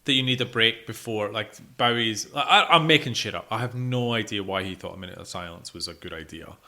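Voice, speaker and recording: Bright-voiced man, emphatic and sweary. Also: on the low side, a little fast. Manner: emphatic, sweary, repeats himself for stress. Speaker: music podcast co-host. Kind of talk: casual opinionated music discussion.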